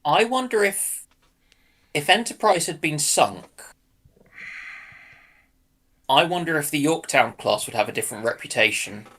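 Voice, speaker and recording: A man's voice: a little high, lively intonation, measured pace, pauses often, pushed and bright, husky. A man chatting casually as a panelist, musing tentatively and often putting his points as questions. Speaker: co-panelist in discussion. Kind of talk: casual speculative chat.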